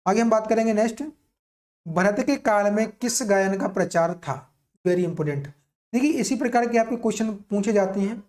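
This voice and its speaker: Male Indian music tutor, soft dark tone, instructive, drills quiz answers by asking and repeating. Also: high voice. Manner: didactic, repeats key points as questions and answers. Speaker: music teacher. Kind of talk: exam-prep lesson, explaining quiz questions.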